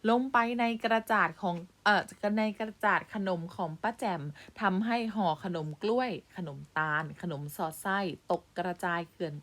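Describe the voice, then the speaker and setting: Woman, primary teacher, low-ish voice, reads a story to young pupils and explains words, patient. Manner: patient, addresses pupils directly with polite particles. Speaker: primary school Thai teacher.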